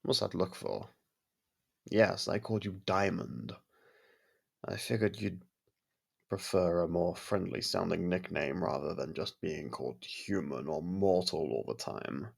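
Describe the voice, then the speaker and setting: A courteous but possessive vampire lord, played by a man for an ASMR roleplay. The voice sits low and husky, thick with gravelly fry. He speaks in formal, measured phrases with quiet command. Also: full character voice. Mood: hesitant, warming. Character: courteous, possessive vampire manor lord softening toward a human.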